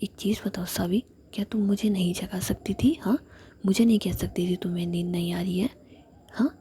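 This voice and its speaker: A woman's voice: fairly low pitch, steady tone, normal speed, dark tone, a little hiss or hum, lightly acted. A woman voicing an angry, jealous young woman, delivering her lines in a snapping whisper. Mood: accusing.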